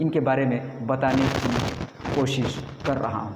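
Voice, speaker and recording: A man's fairly high voice carries ordinary pitch variation. Noticeable background noise and audible room echo fill the recording. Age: 20s. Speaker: YouTuber. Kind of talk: vlog monologue. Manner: animated.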